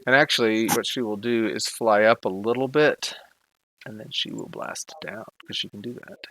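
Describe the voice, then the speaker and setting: A man's voice: on the low side, moderate pace, pushed and bright, no echo, poor audio. A man narrating a tabletop game as game master, in a casual, laughing, self-deprecating way.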